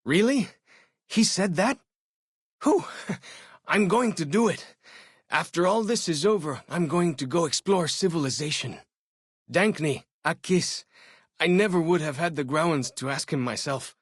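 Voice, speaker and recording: An actor playing a young tribal scout in a video game, friendly, eager and earnest, speaking in simple, informal phrasing. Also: male voice, a little high, lively intonation, unhurried, long pauses, slightly rough, no room sound, studio quality. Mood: excited, eager. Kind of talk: video game character dialogue.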